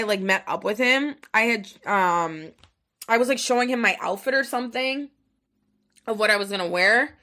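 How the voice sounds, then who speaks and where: A woman in her thirties hosting a podcast, telling a personal story in a rambling, profane, casual way, full of fillers and acted-out quotes. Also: mid-range voice. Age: 30s. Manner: rambling, profane, filler-heavy, animated retelling with quoted voices. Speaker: podcast host.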